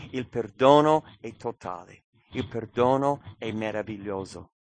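A man's voice: on the low side, no room sound. A man preaching a sermon in an earnest, emphatic way, often asking rhetorical questions.

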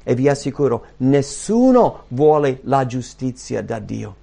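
A man preaching a sermon and reading scripture aloud, swinging between loud, high emphatic bursts and quiet, low asides. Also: big pitch swings, unhurried, creaky. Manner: reads scripture aloud to the congregation.

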